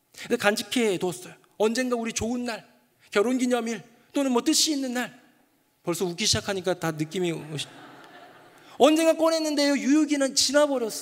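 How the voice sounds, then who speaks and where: At a fairly quick pace broken by long, frequent pauses, a man speaks with lively intonation and an extremely high pitch. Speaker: senior pastor. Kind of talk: sermon. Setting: church.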